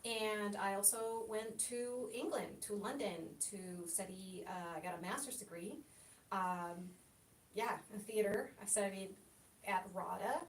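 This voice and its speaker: A woman from Chile whose first language is Spanish, a guest chatting casually in an interview, telling lively stories and laughing often. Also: unhurried. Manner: lively, laughing anecdotal storyteller. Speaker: guest, actress and comedian. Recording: roomy, distant mic with faint rumble.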